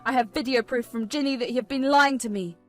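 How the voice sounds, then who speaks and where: A woman's voice: sits high, fast talker, faint music behind, natural voice. A woman voicing a young husband who speaks firmly and with exasperation. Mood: angry. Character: young husband, firm and frustrated.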